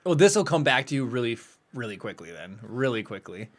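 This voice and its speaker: A man co-hosting a podcast in casual, animated chat, laughing often as he talks. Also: medium pitch, a little fast. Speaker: podcast co-host. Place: home studio podcast set.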